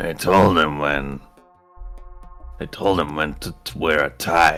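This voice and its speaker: A raspy, put-on character voice moves at a fairly slow pace with a weary tone. Faint music plays in the background. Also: man, very deep, low pitch for a man. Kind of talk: noir-style storytelling. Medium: game stream. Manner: world-weary, clipped.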